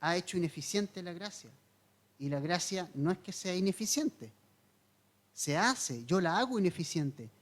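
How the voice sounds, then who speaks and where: Man preaching with rhetorical questions. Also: fairly high pitch. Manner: asks the listener rhetorical questions and repeats key points for emphasis; earnest, explanatory teaching tone. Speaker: pastor. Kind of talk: verse-by-verse sermon.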